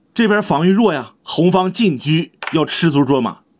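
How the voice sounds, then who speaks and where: A man with a high pitch and very wide pitch swings talks at a fairly slow pace. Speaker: chess commentator. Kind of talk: chess game commentary video. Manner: casual, conversational.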